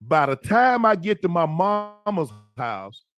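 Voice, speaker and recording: Man in his fifties, high voice, podcast host spinning casual stories with emphatic repeats. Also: sing-song, takes it slowly, fairly bright tone, no echo, soft background music. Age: 50s. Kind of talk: animated casual storytelling.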